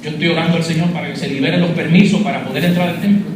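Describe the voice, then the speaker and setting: A man from Puerto Rico delivers a fervent testimony sermon, addressing his listeners as brother. His voice sits on the high side, with a steady tone and a very fast delivery. It was recorded in an echoey hall on a distant mic, and the audio is noisy.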